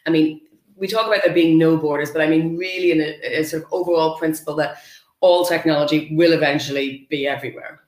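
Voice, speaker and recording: A woman's voice: low-pitched, steady tone, fast, darkish tone. A young woman, a tech reporter, asking probing questions on a video call in a conversational way. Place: home room. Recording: roomy video-call audio.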